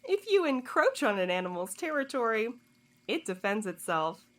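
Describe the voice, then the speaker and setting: An actress voices a smug woman who holds secrets and enjoys it. Her voice sits high and swoops widely in pitch. She teases and condescends with a theatrical drawl, coolly taunting those who question her, in the manner of audio drama. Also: big pitch swings, normal speed, a bit bright. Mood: cool, philosophical.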